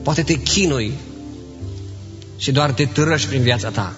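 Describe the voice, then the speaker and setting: A man preaching a sermon in a church, impassioned, swinging between hushed and loud emphatic lines and repeating phrases for emphasis. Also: mid-range voice, dull audio, music in the background. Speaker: pastor.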